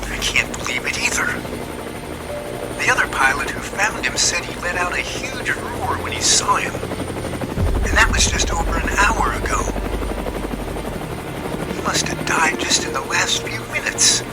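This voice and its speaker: Man acting a shaken rescue crewman, loud helicopter noise. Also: sits high, lively intonation, unhurried, pauses often. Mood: shocked. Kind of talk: amateur audio drama acting.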